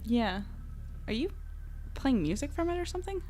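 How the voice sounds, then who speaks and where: A woman's voice: sits high, very animated, moderate pace, mellow, slight background noise. An actress playing a guarded young woman in a naturalistic audio drama, hesitant and understated. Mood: puzzled. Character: guarded young woman, new in town, independent.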